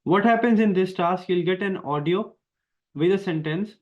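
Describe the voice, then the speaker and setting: A man with an Indian accent teaches an online exam lesson, his voice sitting a little high for a man. He explains each step emphatically and keeps repeating the main points. The recording sounds somewhat dull and lo-fi. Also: moderate pace.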